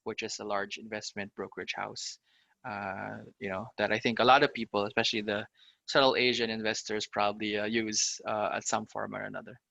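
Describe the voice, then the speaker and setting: Gravelly, bright-voiced man. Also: lowish voice, level tone, brisk, no room sound. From Philippines. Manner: upbeat, talks in long runs full of "uh" and "you know". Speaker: guest, fintech startup founder. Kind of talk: casual podcast interview.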